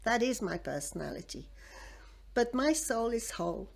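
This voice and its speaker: A woman from Egypt reciting her own poem in a dramatic way, with wide swings in pitch and loudness. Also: lively intonation, normal speed, creaky.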